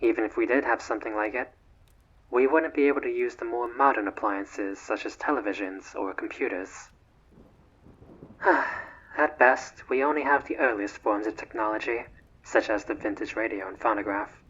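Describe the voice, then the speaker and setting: Man as a husky, genteel vampire. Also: mid-range voice, fairly bright tone, highs cut off. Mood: dry, world-weary. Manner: formal, measured, slightly haughty diction with sighs. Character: bored, courteous immortal male vampire, genteel and old-fashioned. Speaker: voice actor in a roleplay audio. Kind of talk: scripted roleplay audio drama, one side of a phone call.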